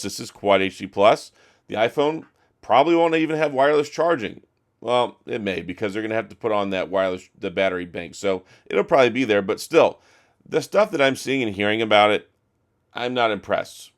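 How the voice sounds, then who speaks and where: A middle-aged man with a hoarse, strained voice, chatting casually and with strong opinions as he reviews a phone to camera. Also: fairly low pitch. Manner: chatty, opinionated, frequent restarts. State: hoarse, losing his voice. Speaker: tech reviewer.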